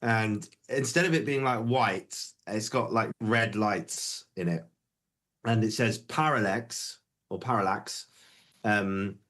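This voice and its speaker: A man's voice: fairly low pitch, takes it slowly, a bit bright. A man co-hosting a music livestream, chatting casually with lots of hesitations. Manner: rambling, easygoing, many hesitations. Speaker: co-host of a music review livestream. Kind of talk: casual chat.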